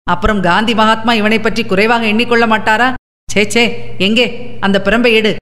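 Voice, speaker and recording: A woman's voice: fairly high pitch, fairly even intonation, moderate pace, a bit bright, close to an everyday voice. A woman reading as a sneering village villain. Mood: mocking. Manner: sneering, mocking, commanding. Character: menacing older male village landlord villain. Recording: long reverb.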